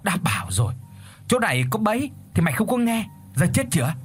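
A man voicing a shrill, frightened wild duck begging for its life in a told story. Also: huge pitch swings, a little fast, husky, faint music behind, heavily acted. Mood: scolding. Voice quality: shrill, thin voice. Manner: pleading, whiny.

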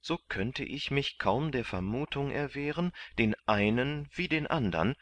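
A man voicing an earnest, excitable young hero who pleads eagerly in a raised voice in a storybook reading. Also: medium pitch, a little slow, pitched above the performer's own voice. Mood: eager, excited.

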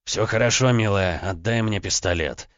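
A calm, gentle man, as the narrator puts him on in an audiobook, coaxing someone in a soft voice. The voice is deep and low, and it sounds dull and dry. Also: moderate pace, no room sound, close to an everyday voice. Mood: soothing. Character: calm, gentle man soothing a frightened woman.

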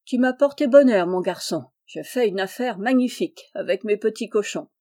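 A woman reading aloud and voicing a brusque, hearty middle-aged farmer, gruff and booming at times. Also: expressive, moderate pace, warm tone, natural voice. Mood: jovial.

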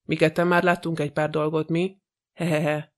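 A man reading the lines of a chatty, self-satisfied older judge in an audiobook, flattering and long-winded. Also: a little high, natural voice.

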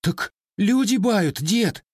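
A man's voice: sits high, very animated, normal speed, breathy edge, no echo, studio quality, voice pushed up, full character voice. A man voicing a hot-headed teenage Cossack boy who talks in a brash, whining way. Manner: brash, whiny.

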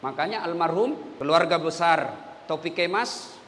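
A man's voice: fairly high pitch, animated, moderate pace, a bit bright, in a large hall. A man preaching a sermon with emphatic, repeated oaths, acting out short dialogues as he goes.

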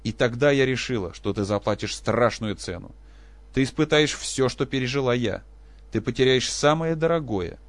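A man voicing a grieving, vengeful woman who speaks in an even, cutting voice. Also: lowish voice, moderate pace, no echo, natural voice. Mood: bitter.

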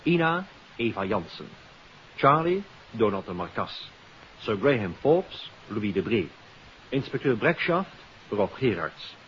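A man announcing on 1950s radio, formally reading out credits in a measured, itemised way. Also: lowish voice, very animated. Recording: hissy, dull 1950s radio recording.

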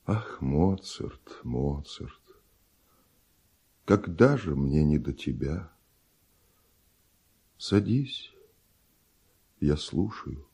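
An actor playing a grave, severe, brooding composer in a verse radio play, with solemn, declamatory theatrical delivery. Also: male voice, rumbling low, animated, drawn-out words, long pauses, dark tone, slightly rough, heavily acted. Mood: gentle, heavy.

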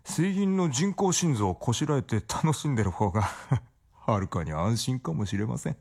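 落ち着いて内省的に語る生理学者を演じる男性俳優。ラジオドラマの芝居。. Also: male voice, medium pitch, animated, moderate pace, creaky, a little mellow, slightly rough. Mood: reflective. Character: calm older male physiologist, wistful. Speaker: scientist in the story. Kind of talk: radio drama acting.

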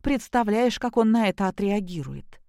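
A woman voicing a gentle young woman who speaks quietly and persuasively. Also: mid-range voice, lively intonation, moderate pace, vocal fry, no room sound, clean studio sound.

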